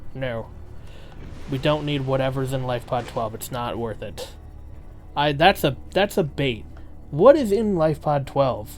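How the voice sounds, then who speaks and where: Someone speaks at a fairly slow pace with music playing in the background. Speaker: vtuber streamer. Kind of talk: gaming stream commentary. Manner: animated.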